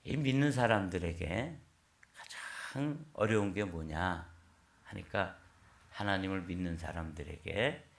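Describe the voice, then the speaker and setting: A man's voice: low voice, unhurried, creaky. A man in his sixties, a pastor, preaching an early-morning sermon in a conversational storytelling way, recorded in an echoey church. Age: 60s. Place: church sanctuary.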